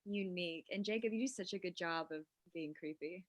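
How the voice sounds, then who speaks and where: A woman's voice: lowish voice, a little fast, no echo. A woman talking casually as a writer in a group discussion of a script. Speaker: writer in a table-read discussion. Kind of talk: casual chat.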